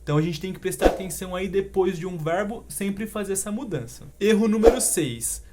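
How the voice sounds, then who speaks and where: A young Brazilian man with a Brazilian Portuguese accent, giving an online English lesson and slowing down for the English examples. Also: high-pitched, heavy background noise. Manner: animated explaining, slows down for English examples. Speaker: English teacher.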